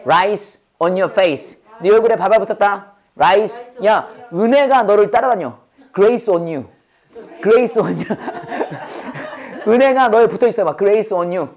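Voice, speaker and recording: A hoarse English teacher who runs a brisk call-and-response drill, repeating each prompt and having the class echo it back. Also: mid-range voice, lively intonation, a little mellow.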